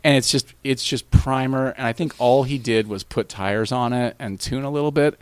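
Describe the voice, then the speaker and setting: A man's voice: medium pitch, moderate pace, smooth, dry recording. A man telling a long anecdote in casual conversation, with many restarts. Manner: animated, rambling with restarts. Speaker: guest. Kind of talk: casual storytelling.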